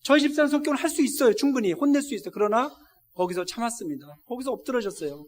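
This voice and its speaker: A man's voice: extremely high pitch, lively intonation, racing. A middle-aged man preaching a sermon as a missionary, telling a story with feeling and speaking straight to the congregation. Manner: emotional storytelling, directly addressing the congregation. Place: church service.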